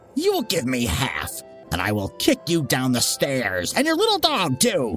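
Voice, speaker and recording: Over clear background music, a man uses a put-on character voice at a medium pitch and a moderate pace. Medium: read story. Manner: pompous, menacing, greedy.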